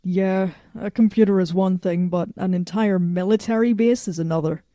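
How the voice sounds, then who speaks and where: A woman's voice: mid-range voice, fairly even intonation, normal speed, dark tone, no echo, studio quality, lightly acted. A woman playing a blunt, self-assured robot from the future in an audio drama, matter-of-fact and a little condescending. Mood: smug, confident.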